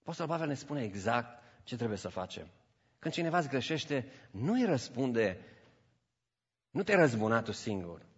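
A man's voice: medium pitch, husky. A man preaching a sermon, telling stories and acting out the voices in them, with English phrases mixed into his preaching. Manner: animated storytelling, acts out voices in anecdotes. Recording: dull audio with long church reverb.

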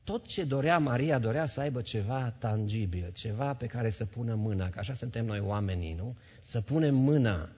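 A male pastor preaching a sermon in a church hall, emphatic, repeating phrases and swinging between loud and soft. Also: mid-range voice, breathy edge. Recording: reverberant hall, dull sound.

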